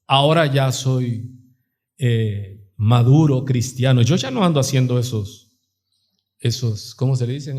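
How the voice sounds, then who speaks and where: A male pastor with a Mexican Spanish accent, preaching a live sermon in church with fervent rhetorical questions and acted-out quotes. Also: fairly high pitch. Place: church sanctuary.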